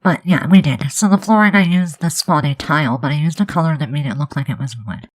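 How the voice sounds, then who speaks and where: A woman's voice: sits low, brisk. A young woman with a nasal, stuffed-up voice from allergies, chatting loosely with lots of fillers over a game building video. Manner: rambling, chatty, many fillers. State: congested from allergies. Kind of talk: casual speed build voice-over.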